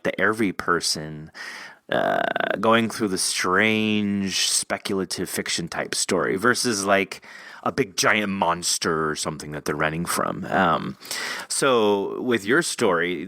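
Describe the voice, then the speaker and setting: A man's voice: low voice, pushed and bright, no room sound. A man hosting a podcast, chatting casually through an interview and animatedly acting out imagined quotes as he explains. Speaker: podcast host.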